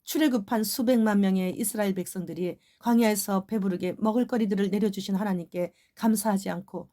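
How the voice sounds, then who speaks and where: A woman's voice: medium pitch, brisk, dark tone. A middle-aged woman pastor giving a testimonial sermon in a conversational way, with rhetorical questions to the congregation.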